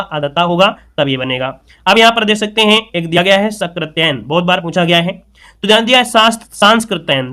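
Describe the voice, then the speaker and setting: A male exam-prep tutor with a high, bright, forceful voice works through a spelling lesson. He keeps calling his viewers friends and stretches out key words slowly so every letter lands. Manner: explains point by point, keeps addressing the audience as friends; drags out words to stress their spelling. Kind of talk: spoken lesson on Hindi spelling.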